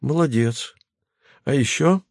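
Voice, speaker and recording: A man's voice: medium pitch, takes it slowly, creaky, a little mellow, no echo, studio quality, pitched above the performer's own voice. A man reading the part of a famous, playful starship pilot who is teasing and easily offended, in an audiobook. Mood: capricious. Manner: whimsical, teasing, lightly offended.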